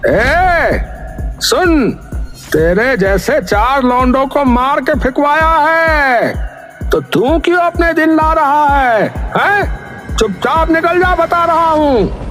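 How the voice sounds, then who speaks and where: A man's voice: extremely high pitch, big pitch swings, slow pace, fairly bright tone, heavily acted. A man playing a threatening, bullying thug in a dramatized audio story. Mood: menacing. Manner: menacing. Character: threatening, bullying male thug guarding a politician's door. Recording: music under the voice.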